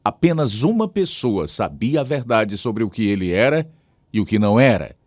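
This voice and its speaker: A man with a Brazilian accent narrating a scripted radio program as its announcer, measured and solemn. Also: lowish voice, big pitch swings, a little mellow, dry recording, studio quality.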